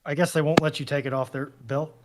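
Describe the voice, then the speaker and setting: A man with a slightly high voice takes part in a panel as a guest. His talk is casual banter, informal and conversational. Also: fairly even intonation, quick pace, a crowd in the background.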